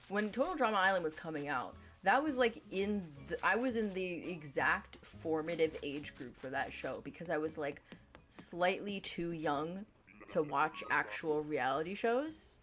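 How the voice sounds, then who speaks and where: A young woman with a deep voice chatting casually on a gaming livestream, rambling in a playful, laid-back way. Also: expressive, a little slow, fairly bright tone, soft background music. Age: young adult.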